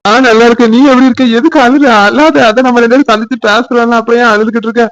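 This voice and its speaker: A man's voice: very high voice, steady tone, quick pace, fairly bright tone, no room sound, muffled recording. Man voicing a reassuring young village lover. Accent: Tirunelveli Tamil. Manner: reassuring, coaxing.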